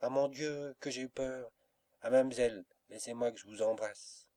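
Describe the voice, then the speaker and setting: A man's voice: mid-range voice, normal speed, mellow, no room sound, studio quality, natural voice. A man voicing an anxious old female servant in a storybook reading, exclaiming with fretful concern.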